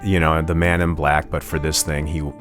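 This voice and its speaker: A man's voice: very deep voice, level tone, a little fast, a bit bright, soft background music. A man guest in a casual interview, telling stories about his life as a musician, rambling with many restarts and "you know"s.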